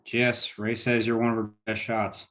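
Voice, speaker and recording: A man's voice: lowish voice, completely flat delivery, moderate pace, a bit bright, lightly acted. A man reading the part of a confident, decisive small-town leader in a drama, folksy and clipped. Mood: urgent, decisive. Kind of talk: screenplay table read.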